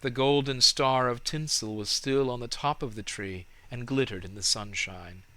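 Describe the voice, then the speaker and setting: A man narrating a storybook in a measured, dramatic and expressive way. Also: mid-range voice, dry recording. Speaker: audiobook narrator.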